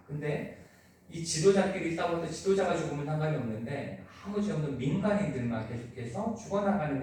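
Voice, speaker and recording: Conversational pastor in an echoey church. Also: male voice, on the high side, dark tone, a little hiss or hum. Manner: conversational, often asks the congregation "right?". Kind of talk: sermon with personal stories. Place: church sanctuary. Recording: echoey church hall, distant mic.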